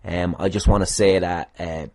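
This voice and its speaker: A man's voice: low voice, flat delivery, normal speed, a little mellow. An Irish man hosting a podcast, chatting casually in a rambling, dry and self-deprecating way. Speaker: podcast host. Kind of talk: casual solo podcast talk.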